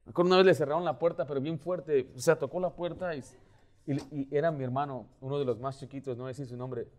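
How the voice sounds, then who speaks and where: A middle-aged man preaching a sermon as pastor, animated, acting out little scenes as he talks. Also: a little high, fast talker. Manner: animated, acts out door-knocking scenes.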